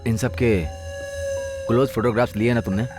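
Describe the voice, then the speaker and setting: An actor playing a grave, shaken police officer. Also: male voice, mid-range voice, fairly even intonation, normal speed, over music, close to an everyday voice. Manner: grave, shaken, mixes English. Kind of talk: film dialogue.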